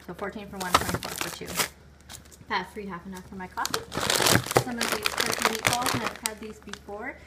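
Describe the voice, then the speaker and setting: A woman's voice: medium pitch, steady tone, fairly quick, heavy background noise. A woman in her forties casually showing off her groceries at home, listing items and their points and correcting herself as she goes. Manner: chatty, lists items and point values, self-corrects. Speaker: vlogger. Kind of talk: casual grocery haul show-and-tell. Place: home kitchen table. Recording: loud crinkling bags near the mic.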